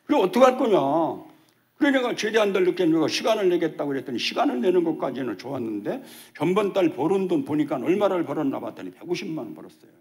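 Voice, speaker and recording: A man's voice: on the high side, big pitch swings, fast talker, few pauses, a little mellow. An older man, a church elder, preaching a testimony sermon at a church service and acting out dialogue as he tells his story.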